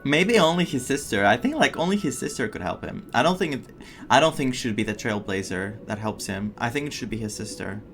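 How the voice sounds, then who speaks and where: A man's voice: medium pitch, lively intonation, a little fast, a bit bright, slight background noise. A man giving casual, opinionated reaction commentary on a story game, emotionally invested in what he watches. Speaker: game streamer. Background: faint game music.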